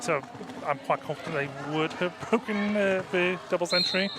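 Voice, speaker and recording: A Welsh man on a headset mic, calling roller derby live in a chatty, self-deprecating way. His voice sits a little high for a man. The crowd and arena noise come through clearly behind him. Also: a little fast. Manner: chatty, self-mocking, anecdotal. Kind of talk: live sports commentary.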